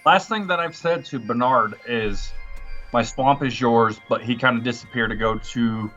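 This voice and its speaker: Bright, forceful man in lo-fi game chat. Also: medium pitch, moderate pace, faint music behind. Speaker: tabletop game player on a podcast. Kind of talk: casual improvised role-play chat. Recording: slightly dull, lo-fi microphone sound.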